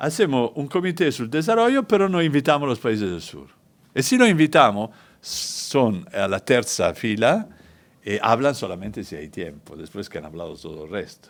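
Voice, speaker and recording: Speaking in an Italian accent at a moderate pace, a man with a medium-pitched voice makes very wide pitch swings in a very clean recording with a silent background. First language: Italian (speaking Spanish). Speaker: economist, development expert. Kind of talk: lecture.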